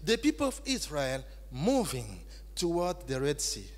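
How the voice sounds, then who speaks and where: A man preaching with a high, lively voice. He speaks slowly and leans hard on each phrase, going from shouts to low tones. The sound rings in a large reverberant hall. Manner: emphatic, swings from shouting to low, slow phrases. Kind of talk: sermon in English with live interpretation. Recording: echoey hall.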